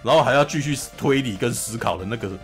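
A man hosting a casual anime review chat, retelling scenes in an animated way, often laughing and checking in with "you know?". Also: mid-range voice, fast, faint music behind. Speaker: host.

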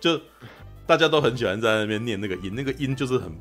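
Fast-talking animated man. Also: medium pitch, faint music behind. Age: 40s. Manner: animated storyteller, keeps asking "you know?". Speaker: podcast co-host. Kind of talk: casual chat.

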